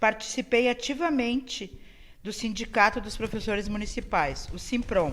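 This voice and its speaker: Here a woman is talking. She goes at a fairly slow pace. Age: 60s. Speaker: retired teacher, council candidate. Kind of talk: prepared self-introduction. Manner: fluent, read-like.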